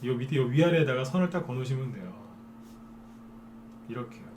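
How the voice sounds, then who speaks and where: A male stock market broadcaster with a mid-pitched, darkish voice gives a live stock trading lecture at a quick pace. His coaxing, persuasive style keeps asking listeners to agree, and faint hiss runs underneath.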